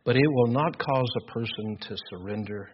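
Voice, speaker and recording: An older male preacher with a loud, husky voice delivers an earnest sermon. He presses his points with emphatic repetition. The recording sounds dull and lo-fi. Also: medium pitch, normal speed. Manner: earnest, emphatic, repeats words while building points.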